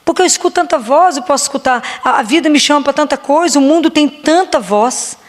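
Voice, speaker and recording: A woman giving a slow, reflective devotional sermon, often asking rhetorical questions. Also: high voice, animated. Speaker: preacher. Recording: long hall reverb.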